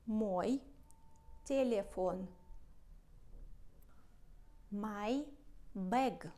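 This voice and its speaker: A woman teaching a language lesson, spelling out and repeating words slowly for beginners. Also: medium pitch, warm tone. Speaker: Russian teacher.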